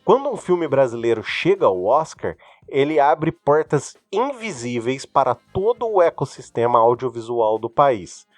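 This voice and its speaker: A man's voice: mid-range voice, big pitch swings, measured pace, hardly any pauses, dry recording, soft background music. Brazilian man co-hosting a podcast, dry sound. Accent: Brazilian Portuguese. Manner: hesitant restarts, then reads a quoted article aloud. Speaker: podcast co-host. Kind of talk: casual podcast commentary.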